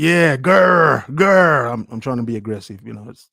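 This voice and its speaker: This is a put-on character voice, gruff and growling. It moves at a moderate pace. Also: man, medium pitch for a man. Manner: gruff, growling.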